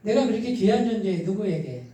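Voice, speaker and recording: A man preaches in a very echoey church, picked up from some distance. His voice is husky, mellow and a little stifled. He talks to the congregation conversationally, often asking a question and then answering it himself. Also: high-pitched, very animated, a little fast. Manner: asks the congregation rhetorical questions and answers them. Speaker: pastor preaching. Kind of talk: conversational sermon. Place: church midweek service, echoing room.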